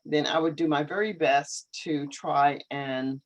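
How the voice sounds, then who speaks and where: Woman teacher on a live call, kinda low voice, slow careful encouraging talk. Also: fairly even intonation. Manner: careful, encouraging, clearly articulated. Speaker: English teacher hosting a live session. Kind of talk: live online English lesson chat.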